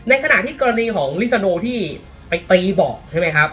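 Animated Thai man talking football. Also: high-pitched, a little fast. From Thailand. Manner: animated, exclaims often. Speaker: football commentator. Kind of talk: casual football commentary.

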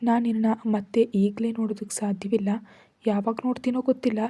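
A woman's voice: on the high side, fairly even intonation, fast, mellow, breathy edge, no echo. A woman voicing a serious, brooding young man, in a level voice barely changed from her own. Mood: pleading.

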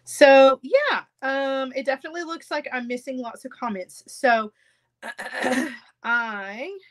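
A woman's voice: high-pitched, takes it slowly. A woman in her thirties with a stuffy, congested voice, chatting casually with viewers from her home craft room. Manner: chatty, animated, gestures with hands. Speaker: jewelry-making livestream host. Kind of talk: casual live chat with viewers.

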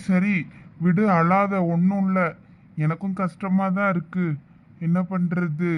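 A young man acting a husband in a village comedy skit, soothing and pleading, on a slightly muffled recording. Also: high voice. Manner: pleading, soothing, fast talk.

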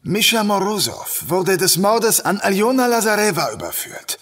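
An actor playing a young, hard-edged police commissioner, demanding and threatening, in a radio drama. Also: male voice, high-pitched, big pitch swings, moderate pace, a bit bright, full character voice. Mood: firm. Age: young adult.

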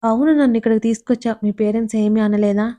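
A woman's voice: a little high, steady tone, dark tone, natural voice. A woman voicing a feisty, stubborn young heroine in a storybook reading, talking back defiantly. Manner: quick-tempered, defiant.

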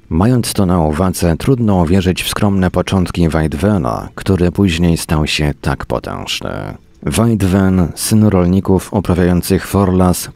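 A man reading scripted fantasy lore as a narrator, in a solemn, measured storytelling manner. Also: deep voice, gravelly, a little mellow, no echo. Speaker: reader.

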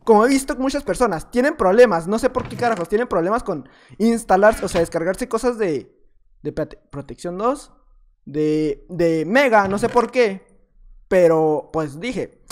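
A man giving casual, playful commentary over his own gameplay. He rambles a little and teases the players he fights. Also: high-pitched. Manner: playful, rambling, teasing opponents. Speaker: gaming video creator.

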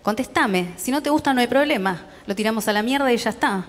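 A gruff, irritable father barks at his small son in a Rioplatense accent, as a woman reads his lines. He sounds harsh and loud, with a long hall reverb trailing each word. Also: fairly high pitch, expressive, fast, pitched above the performer's own voice, natural voice. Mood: angry. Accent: Rioplatense Spanish.

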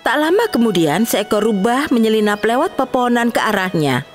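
Expressive woman narrating a children's tale. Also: fairly high pitch, fairly quick, soft background music.

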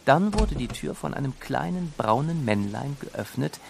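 A man narrating a children's audio drama as a scripted storybook tale, with a gravelly voice. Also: medium pitch, sing-song, a little slow, noisy background.

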